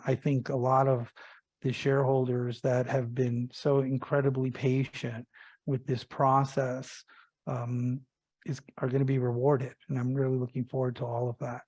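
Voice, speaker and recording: Man, company executive, flat intonation, mellow tone, emphatic repetition, earnings call answers. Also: mid-range voice, no room sound.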